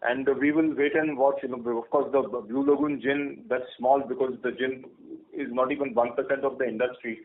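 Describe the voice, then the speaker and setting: A man with an Indian accent, a company executive giving measured explanations on an earnings call. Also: medium pitch, fairly even intonation. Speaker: company executive answering questions. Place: conference call. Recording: narrow-band phone conference line.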